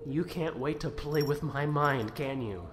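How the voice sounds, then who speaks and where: A young male apprentice mage from a fantasy audio drama, played by an actor. He sounds agitated and defiant, with a desperate, halting edge to his words. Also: a little high, over music, close to an everyday voice. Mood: bitter defiance. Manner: stammering, agitated.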